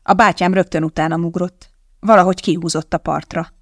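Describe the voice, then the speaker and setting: An audiobook reader gives voice to a grieving woman chemist in a storybook reading, blunt and guarded. The voice is gravelly with some creak. It is pitched mid-range and recorded dry. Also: fairly even intonation, no echo, lightly acted.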